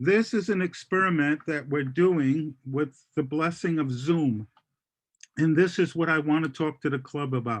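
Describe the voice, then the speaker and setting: This is a plain, everyday voice with ordinary pitch variation. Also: man, fairly high pitch for a man, fairly slow pace. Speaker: robotics educator presenting at club meetup. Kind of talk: show and tell presentation.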